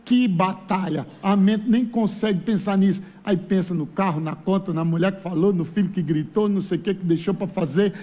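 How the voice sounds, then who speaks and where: A man with a Brazilian Portuguese accent preaching a lively, humorous sermon at a church conference. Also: high voice, normal speed, few pauses. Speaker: pastor.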